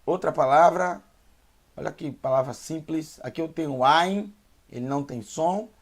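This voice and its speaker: A man with a Brazilian Portuguese accent teaching beginner Hebrew, sounding out syllables slowly and repeating each word. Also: a little high. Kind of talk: slow beginner language lesson.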